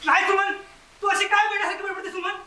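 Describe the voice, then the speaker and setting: A man's voice: very high voice, little pitch movement, quick pace, bright, forceful tone, roomy sound, slight background noise, full character voice, rough recording. A man acting a remorseful young son who pleads and calls out in an amateur short film. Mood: anxious.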